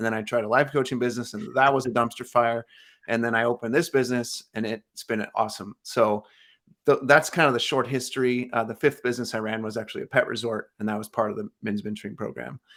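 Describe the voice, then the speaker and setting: In a very clean recording with a silent background, a man with an American accent speaks very fast at medium pitch with fairly even intonation. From California, Central Valley. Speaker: business coach. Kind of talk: interview.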